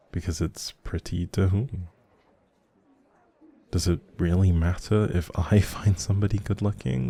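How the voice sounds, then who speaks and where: A man acting as a kind, socially anxious male stranger in an intimate audio roleplay. His voice is very low and mellow, with a gravelly creak underneath. He rambles softly and hesitantly, second-guessing himself as he goes. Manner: hesitant, rambling, self-doubting, soft chuckles.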